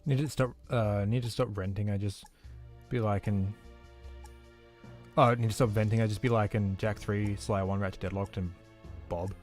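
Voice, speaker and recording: A man's voice: on the low side, steady tone, moderate pace, darkish tone, soft background music. A man live-streaming a game, chatting casually and reading viewer comments aloud in a laid-back way. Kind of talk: casual live-stream chat while gaming.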